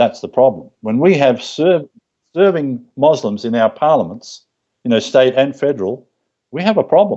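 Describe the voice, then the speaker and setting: A man with an Australian accent, fairly high-pitched, with lively intonation at a moderate pace. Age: 60s. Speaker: political activist group leader. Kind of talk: interview.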